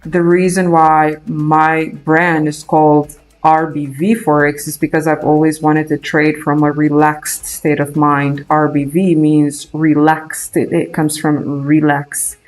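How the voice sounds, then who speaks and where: A man's voice: on the high side, completely flat delivery, slow, few pauses, faint music behind, rough recording. A young man from Romania with a Romanian accent, chatting casually on a live trading stream, thinking aloud with many fillers and restarts. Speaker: day trader streaming live.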